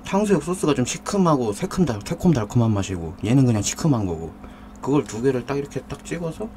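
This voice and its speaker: A man's voice: medium pitch, sing-song, fast talker, background noise. A man hosting a live mukbang stream, eating and joking while he greets viewers from the chat. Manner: jokey, banters with viewers, reads out chat names. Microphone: desk condenser mic.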